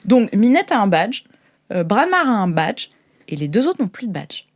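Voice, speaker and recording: A woman's voice: medium pitch, big pitch swings, moderate pace. A woman narrating an improvised tabletop game informally as game master.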